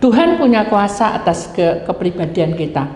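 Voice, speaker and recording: A woman pastor preaching a lively sermon full of stories and acted-out quotes. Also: mid-range voice, moderate pace. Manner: animated, switches into acted quotes and dialect asides. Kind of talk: sermon with storytelling. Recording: echoey hall with faint noise.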